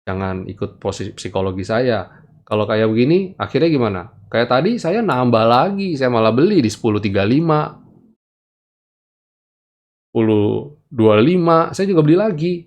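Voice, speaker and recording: A man coaching stock traders in casual market commentary over charts, blunt and animated. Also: moderate pace, long pauses. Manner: animated, wide swings in pitch, blunt warnings. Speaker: stock trading educator.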